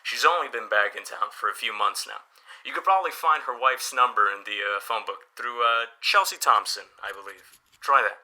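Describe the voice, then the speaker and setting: In an audio drama, a man plays an easygoing, helpful small-town newspaper boss who chats and encourages as he explains things. His medium-pitched voice is bright and forceful, at normal speed. The audio quality is poor.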